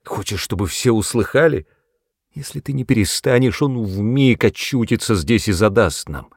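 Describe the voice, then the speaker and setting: Narrator plays a brusque, self-important young brother, loud and sharp; dry close read. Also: male voice, on the low side, expressive, normal speed, husky, no room sound, voice pushed up. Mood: angry. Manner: sharp, snapping, louder than the narration. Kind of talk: audiobook character voice.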